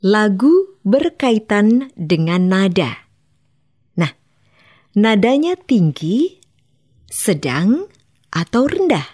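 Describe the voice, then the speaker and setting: A woman narrating an educational program for children, speaking in a clear, instructive way. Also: mid-range voice, sing-song, drawn-out words, pauses often, a little mellow.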